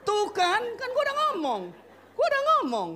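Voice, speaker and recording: A man mimicking his gloating wife, shrill and high. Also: wildly swooping pitch, normal speed, crowd noise, noisy background, exaggerated voice. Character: teasing wife, adult woman, told-you-so.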